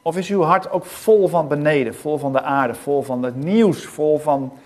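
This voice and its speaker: A middle-aged man preaching a sermon in a church. He speaks earnestly, with frequent rhetorical questions and pauses between phrases. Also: fairly high pitch, a little mellow. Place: church hall.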